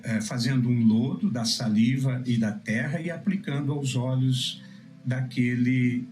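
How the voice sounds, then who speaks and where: A Brazilian male preacher speaks slowly and solemnly, setting each short phrase apart with emphasis. His pitch sits a little high for a man, and soft music plays faintly behind his religious teaching. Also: poor audio. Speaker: minister-preacher answering questions.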